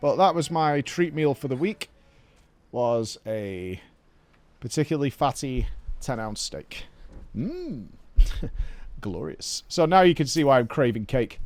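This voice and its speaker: A man with a British accent and a fairly high pitch, at a fairly slow pace with long, frequent pauses, on a very clean recording with a silent background. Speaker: gaming streamer. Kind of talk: casual chat. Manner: loud; animated.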